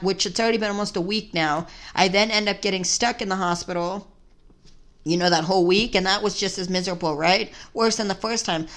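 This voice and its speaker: A man's voice: high voice, fairly bright tone, clean tone. A trans man in his twenties, telling a long story casually to the camera in a chatty, rambling way. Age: 20s. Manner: rambling, chatty, says "y'all". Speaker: vlogger.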